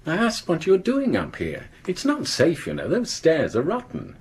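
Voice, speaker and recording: An actor playing an exasperated, dismissive husband in a radio horror play, irritable and sardonic. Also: male voice, a little high, wildly swooping pitch, normal speed, breathy edge, full character voice. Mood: puzzled, uneasy. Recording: noisy 1980s radio drama recording.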